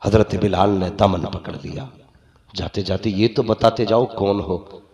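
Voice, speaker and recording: A man preaching a sermon, telling a story, moving from hushed narration to shouted passages. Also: on the low side, measured pace. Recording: roomy gathering with crowd. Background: congregation responding.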